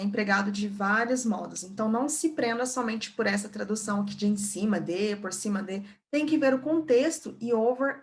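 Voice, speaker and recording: A Brazilian woman teaching English vocabulary at a patient pace, with a voice sitting a little higher than most. She repeats key words and keeps checking in with her learners as she explains. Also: fairly bright tone. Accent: Brazilian Portuguese.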